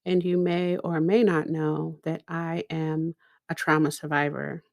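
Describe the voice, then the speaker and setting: A middle-aged woman whose first language is Hebrew speaks in a fairly low register. Her delivery is very slow and deliberate, with pauses placed for effect. She sounds like a podcast host giving a reflective personal monologue, dropping in small rhetorical asides. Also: little pitch movement, creaky, a little mellow, no room sound, clean studio sound. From Israel.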